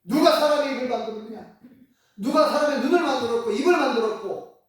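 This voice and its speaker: A stern divine figure scolds and reassures, as a preacher gives him voice. His pitch moves in lively swings. A long church echo hangs on every word from a mic placed far off. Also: moderate pace. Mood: scolding. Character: stern but encouraging male deity. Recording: echoey church hall, mic at a distance.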